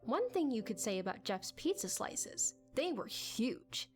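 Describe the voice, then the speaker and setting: A woman reads a story aloud as a dramatic narrator. Her voice is fairly high and very animated in pitch, with music playing underneath. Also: a little slow.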